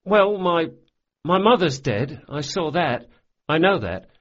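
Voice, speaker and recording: A man voicing a young orphan boy who talks quickly and earnestly, stumbling over his words. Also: fairly high pitch, very animated, a bit bright, dull audio, pitched above the performer's own voice, exaggerated voice.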